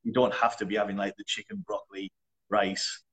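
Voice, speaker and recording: Young guy trainer, lowish voice, laid back, blunt, laughs a lot. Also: brisk, gravelly. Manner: relaxed, chatty, laughs often, blunt wording. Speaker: personal trainer. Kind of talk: casual interview.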